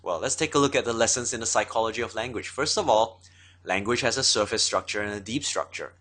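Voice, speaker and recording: A man teaches in a steady lecturing manner, often pausing on fillers as he works through his points. His voice sits on the lower side but carries a bright, forceful edge. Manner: steady explaining with frequent fillers. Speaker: instructor. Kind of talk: explanatory lecture.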